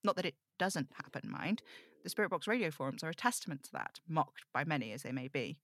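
A woman's voice: deep voice, lively intonation, fast talker, fairly bright tone, no echo, full character voice. A woman playing a rambling, fretful young amateur occult investigator in an audio drama table read, chatty and self-interrupting, confiding in her listeners. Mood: wry, resigned.

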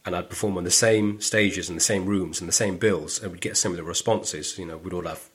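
Low husky London man telling stories. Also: a little fast. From northwest London. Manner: animated storytelling, acts out quoted voices. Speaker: stand-up comedian guest. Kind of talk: casual podcast conversation.

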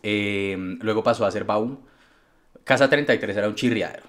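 A Colombian man with a somewhat low voice chats easily as a guest DJ. He tells stories in a loose, unhurried way, with plenty of fillers along the way. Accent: Colombian Spanish. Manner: relaxed storytelling with frequent fillers. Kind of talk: casual conversational interview.

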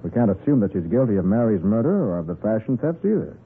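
A man's voice: lowish voice, sing-song, quick pace, slightly rough, exaggerated voice. An American man playing a confident, hard-nosed private detective in a 1940s radio crime drama, questioning firmly and wryly. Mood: probing. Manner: probing, firm, wry. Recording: muffled, scratchy 1940s radio recording.

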